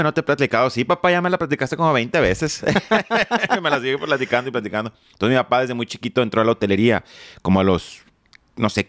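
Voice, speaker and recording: A man's voice: medium pitch, a bit bright, dry recording, clean studio sound. A middle-aged man telling stories as an interview guest, joking and swearing casually. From Mexico. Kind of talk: casual storytelling.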